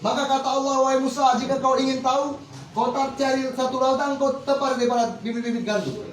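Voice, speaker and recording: A man's voice: very high voice, steady tone, fast. A man preaching a Muslim sermon, exhorting listeners with rhetorical questions. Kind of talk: religious sermon to an audience. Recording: echoey, distant mic with faint noise.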